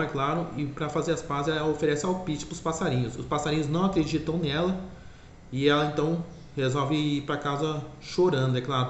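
A man's voice: on the high side, dull audio. Man retelling a cartoon plot, echoey room. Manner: rambling, self-correcting, repeats "é claro". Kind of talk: casual spoken retelling. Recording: echoey room, faint ambient noise.

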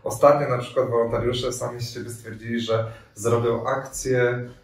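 A man's voice: mid-range voice, flat delivery, normal speed, creaky. A man in his thirties, a volunteer coordinator answering interview questions, hesitant with many fillers and restarts. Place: room with armchairs and radiator, indoors. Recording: echoey room, mic at a distance.

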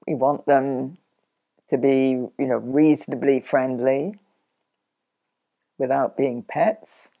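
An older woman sheep farmer, chatty and practical, explaining her farm work step by step in a relaxed interview at home. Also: very deep voice, slow, long pauses. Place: sunlit living room, in an armchair.

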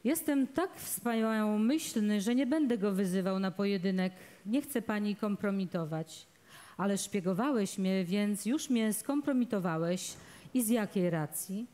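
Brief: woman reading a jealous fiancé, slow and sneering, darkish tone. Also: medium pitch, expressive, warm tone, natural voice. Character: jealous young male fiancé, sneering and spiteful.

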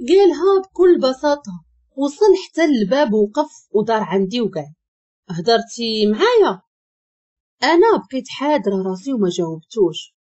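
Husky-voiced Moroccan woman telling a story. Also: sits high, a little fast, dull audio. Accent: Moroccan Arabic. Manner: lively, expressive storytelling. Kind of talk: first-person story narration.

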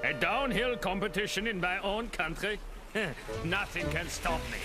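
A man's voice: high voice, moderate pace, lightly acted. A man voicing a haughty, irritable, blustering champion skier in a children's cartoon. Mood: smug, scornful. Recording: loud music behind the voice.

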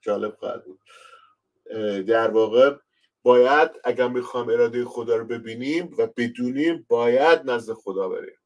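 A man from Iran teaches scripture as a pastor in an unhurried online lesson. His voice sits in an ordinary middle range, and he keeps turning to address his listeners as he explains each point. He sounds a little distant from the microphone. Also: medium pitch, muffled recording. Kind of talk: conversational online Bible lesson.

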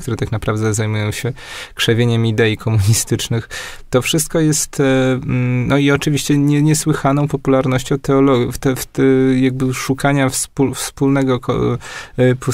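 A man from Poland, a guest historian, explaining at length in a hesitant academic way, with frequent pauses and restarts. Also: medium pitch, a little mellow, no room sound. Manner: many fillers and restarts, measured.

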